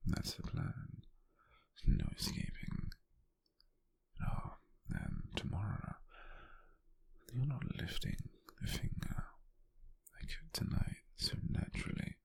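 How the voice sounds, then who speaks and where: A British man playing a gentle, doting, softly teasing lover in an intimate, breathy, gravelly ASMR whisper, speaking slowly and soothingly. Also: medium pitch, wildly swooping pitch, full character voice. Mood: tender, teasing. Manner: slow, soothing, with soft pauses.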